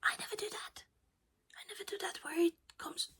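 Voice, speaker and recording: A woman's voice: very high voice, fairly quick, bright, forceful tone. A woman whispering her way through a casual cross-stitch project chat at home while losing her voice.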